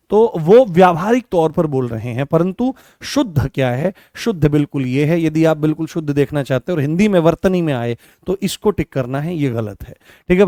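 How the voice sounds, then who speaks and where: A man teaching an online coaching class in a slightly high voice. He says the key terms again and again as he writes them out, and poses questions that he answers himself. The sound is dry and close, with no room echo. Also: dark tone. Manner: repeats key phrases many times while writing on a board.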